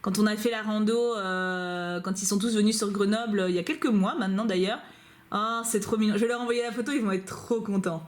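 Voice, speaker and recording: A woman's voice: mid-range voice, fairly even intonation, brisk. A woman YouTuber chatting casually to camera from her couch at home, bubbly and full of fillers and asides. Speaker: YouTuber reacting to fan mail. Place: at home on a couch, dog nearby.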